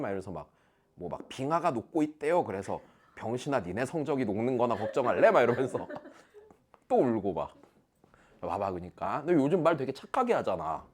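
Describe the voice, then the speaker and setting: Male tutor in his thirties, blunt, crude classroom banter, lively pitch. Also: breathy edge. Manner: joking, blunt and crude with students. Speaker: math academy teacher.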